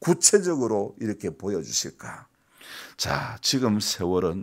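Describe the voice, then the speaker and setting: On a very clean recording with a silent background, a man with a fairly low pitch speaks at a very slow pace. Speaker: pastor. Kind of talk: sermon, morning devotional.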